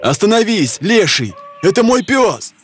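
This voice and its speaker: A man's voice: sits high, very animated, unhurried, slightly rough, full character voice. A man playing a brave, determined hunter hero in a folk-tale cartoon, bold and commanding. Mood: alarmed. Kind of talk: animated folk-tale character acting. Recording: loud music behind the voice.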